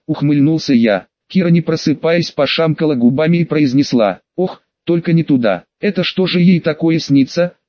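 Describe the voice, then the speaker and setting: A man's voice: on the high side, no room sound. A man narrating a fantasy audiobook in the first person, in a wry, matter-of-fact way. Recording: dry, slightly muffled audio.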